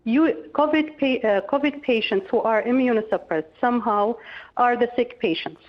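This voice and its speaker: A woman gives measured, reassuring medical explanations as an expert guest in a telephone interview. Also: a little high. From Oman. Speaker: infectious disease consultant, interviewed guest. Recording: dull, band-limited telephone line.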